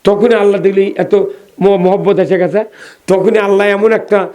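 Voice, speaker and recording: A man's voice: high voice, steady tone, normal speed, warm tone. A man from Bogura preaching a humorous sermon in the local Bogura dialect, telling stories with teasing asides to the crowd. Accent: Bogura Bengali dialect. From Bogura, northern Bangladesh. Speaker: Islamic preacher.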